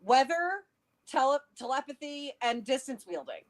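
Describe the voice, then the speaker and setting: A woman chatting casually and excitably, theorizing and thinking aloud as co-host of a livestream. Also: high-pitched, normal speed. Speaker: co-host of a book read-along livestream. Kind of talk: casual chat, theorizing about a fantasy novel.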